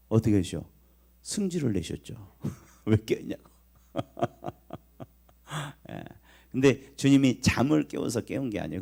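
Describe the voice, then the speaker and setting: Man preaching, pastor, expressive pitch that swoops up and down, storytelling sermon, speaks straight to the congregation. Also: vocal fry. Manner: animated storytelling with acted lines of Jesus; talks directly to the congregation, asking questions.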